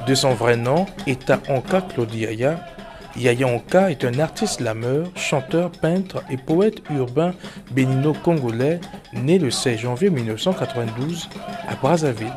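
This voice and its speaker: A man narrating a radio report in a formal, measured reporting style. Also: medium pitch, animated. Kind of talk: scripted narration. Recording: narration over music bed.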